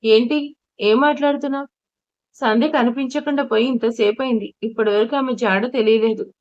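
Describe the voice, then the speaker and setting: A tense, angry family man, demanding and agitated over a missing relative, as a woman storyteller reads him in a fairly high voice. It is an audio storybook reading on a muffled, lo-fi recording. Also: fairly even intonation, moderate pace, a little mellow, lightly acted. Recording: dull lo-fi recording.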